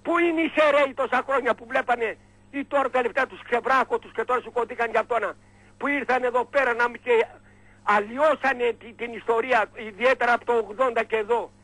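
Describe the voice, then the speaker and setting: A man's voice: very high voice, steady tone, a bit bright, no echo, poor audio. A man calling in to a radio show, ranting angrily and stumbling over his words. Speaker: caller. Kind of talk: indignant rant.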